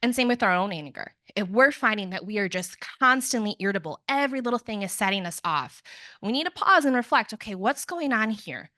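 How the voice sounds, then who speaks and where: A young woman counselor gives a relaxed, conversational conference talk, slipping into quoted voices and joking at her own expense. Her voice is bright and clear. The sound is dry and close. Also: medium pitch, fast talker, no echo. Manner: conversational, self-deprecating asides, acts out quotes. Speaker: grief counselor.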